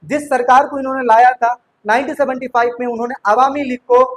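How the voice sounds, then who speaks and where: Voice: sits high, fairly even intonation, fast, low-quality recording. A teacher giving a spoken history lesson, posing rhetorical questions, answering them right away and repeating key points. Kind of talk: classroom lecture explaining history.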